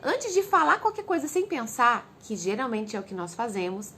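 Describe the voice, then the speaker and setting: A woman's voice: a little high, sing-song, normal speed, bright, forceful tone, slightly rough. A Brazilian woman with a Brazilian Portuguese accent, giving earnest parenting advice and acting out what children and parents say. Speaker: parenting educator.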